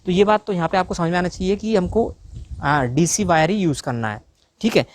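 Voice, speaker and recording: Fast-talking man explaining solar wiring. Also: high voice. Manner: rapid, talks to viewers directly, frequent fillers. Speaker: YouTube tutor on solar installation.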